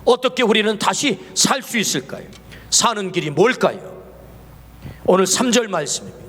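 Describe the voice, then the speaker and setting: A man with a high voice preaching a Sunday sermon in a church sanctuary, its long reverb trailing each phrase. He keeps asking the congregation questions, at times dropping soft and low, at times lifting his voice. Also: sing-song, normal speed, breathy edge. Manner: preaching with rhetorical questions, swings between soft and raised passages. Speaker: pastor.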